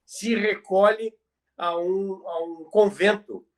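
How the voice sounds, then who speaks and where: An older man with a Brazilian accent telling a story conversationally, halting and repeating phrases for emphasis. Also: sits high, steady tone, poor audio. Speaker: podcast host and storyteller. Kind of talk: conversational retelling of radio history.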